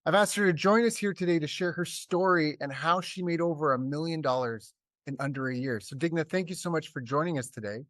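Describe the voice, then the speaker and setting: A man's voice: a little high, fairly bright tone, no echo. Man hosting an interview, dry sound. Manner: reads guest introduction, then chatty with quick asides. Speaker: podcast host. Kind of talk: interview host.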